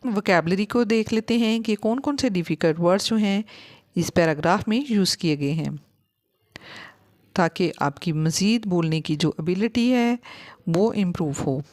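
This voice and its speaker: A woman teaching English vocabulary, repeating each word slowly for learners. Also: lowish voice, darkish tone. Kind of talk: vocabulary lesson.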